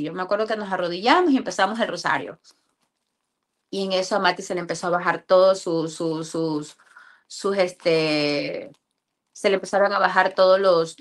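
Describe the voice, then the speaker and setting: A mother telling a personal faith testimony in a halting way, often repeating words and restarting phrases. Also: on the low side.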